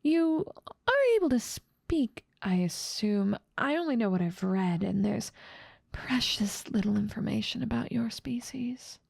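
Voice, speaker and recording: A woman's voice: on the high side, lively intonation, measured pace, creaky, husky, no room sound, studio quality, exaggerated voice. A woman voicing a smug, scheming evil witch. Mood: condescending. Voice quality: frequent soft whispering. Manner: smug, condescending, toying with a captive. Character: cold, scheming evil witch, ambitious and controlling. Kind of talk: ASMR audio roleplay.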